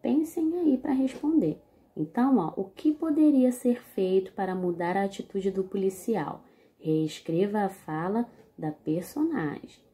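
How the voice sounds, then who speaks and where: A woman's voice: medium pitch, lively intonation, mellow. A woman teacher, giving a recorded video lesson and explaining step by step to her class. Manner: slow, deliberate explaining, addressing the class directly.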